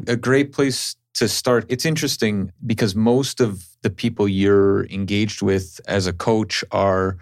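A man with a slightly low voice talks as a podcast co-host. The sound is very dry and close. His delivery is conversational. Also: no echo.

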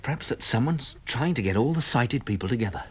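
An actor playing a calm, protective survivor of a catastrophe in a 1960s radio drama, speaking in a measured, reassuring way. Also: male voice, medium pitch, husky. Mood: urgent, steadying.

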